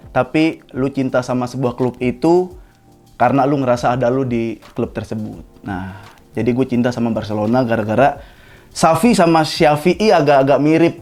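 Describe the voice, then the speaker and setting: A man, telling stories from his own life as a stand-up comic. His voice sits at a middle pitch but jumps up when he reaches a punchline, and the delivery is loose and full of slang. He was recorded in a studio with faint music underneath. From Jakarta, Indonesia. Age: 20s. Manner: casual slangy storytelling with animated pitch jumps. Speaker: stand-up comedian. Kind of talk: comic monologue storytelling.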